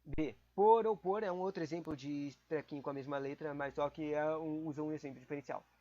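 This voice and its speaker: A man with a fairly high voice talks to himself through study notes, casual and a bit confused, muttering his way through examples. The recording is dull and lo-fi. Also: a little fast, dark tone. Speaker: podcast host studying for exams. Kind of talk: thinking aloud while studying.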